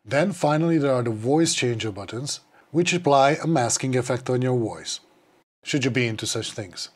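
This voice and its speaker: Brief: man in his forties, mid-pitched, explaining gear plainly, small studio clip-on mic. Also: expressive, moderate pace, slightly rough. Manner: explanatory, matter-of-fact. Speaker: podcast gear reviewer. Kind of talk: scripted product review. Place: small dim studio, indoors. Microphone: clip-on wireless mic.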